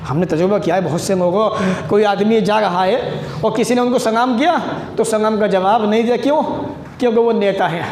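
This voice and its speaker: Guy preaching a sermon, really high voice, quotes arabic hadith, calls everyone brothers, echoey room. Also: a little mellow. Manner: addresses listeners as brothers. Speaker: Islamic preacher. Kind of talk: religious sermon. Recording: echoey room, faint background noise.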